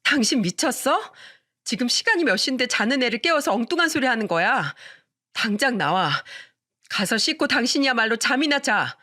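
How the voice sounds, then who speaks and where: A woman's voice: medium pitch, very animated, moderate pace, a bit bright. A woman reading a radio story, voicing an exasperated young wife who sharply scolds her drunk husband. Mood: scolding.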